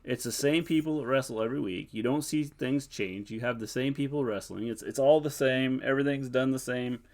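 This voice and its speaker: A man's voice: mid-range voice, fairly quick, a little mellow. A man co-hosting a casual wrestling recap, critical and grumbling in his asides. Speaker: podcast co-host.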